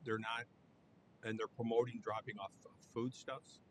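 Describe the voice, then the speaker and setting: A man's voice: medium pitch, little pitch movement, normal speed, a bit bright, slight background noise. A man serving as county commissioner, questioning a request bluntly and skeptically. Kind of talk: official questioning at a public meeting. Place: county board meeting chamber.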